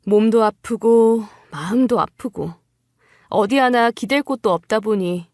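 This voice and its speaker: A woman's voice: a little high, unhurried, a little mellow, no room sound, studio quality. A woman reading a first-person story as a dramatised narration.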